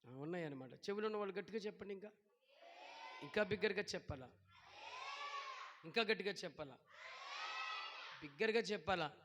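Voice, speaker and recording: A pastor preaching a sermon, who keeps asking his congregation questions and shouts at times. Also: sits high, fairly quick, long pauses, big-room sound, background noise.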